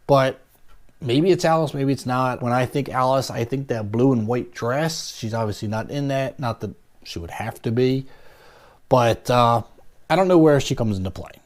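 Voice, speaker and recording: A man's voice: medium pitch, darkish tone. A man hosting a movie news channel, chatting casually and musing aloud about a poster with plenty of hedging.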